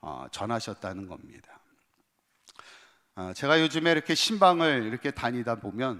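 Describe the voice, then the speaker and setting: On a very clean recording with a silent background, a man speaks at a fairly slow pace with medium pitch and very wide pitch swings. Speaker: pastor. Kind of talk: sermon. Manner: conversational.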